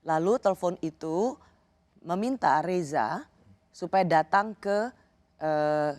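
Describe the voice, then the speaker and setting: A woman's voice: on the low side, takes it slowly, a little mellow. A woman hosting a TV interview, asking short, probing follow-up questions. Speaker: talk show host.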